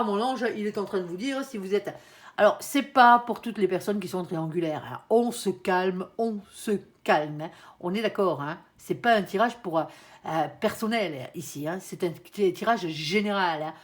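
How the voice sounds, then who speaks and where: A woman giving a casual, chatty tarot reading, often tagging her sentences and speaking to her guardian angel. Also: medium pitch. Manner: chatty, frequent tag "hein", addresses her angel. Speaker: tarot card reader.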